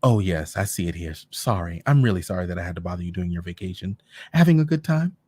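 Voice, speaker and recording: A man's voice: sits low, animated, quick pace, darkish tone, no room sound. A man playing a prim, apologetic supervisor woman. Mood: polite. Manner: overly polite, apologetic. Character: polite, prying office supervisor woman.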